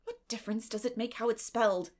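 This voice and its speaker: A woman voicing a stern, practical older woman with a brisk, no-nonsense way of speaking in a storybook reading. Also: on the high side, fairly even intonation, a little mellow, natural voice. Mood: baffled, dismissive.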